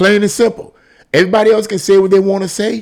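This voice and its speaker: An animated man speaks at a high pitch on a very clean recording with a silent background. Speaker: political commentator. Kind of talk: opinion commentary monologue. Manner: fast.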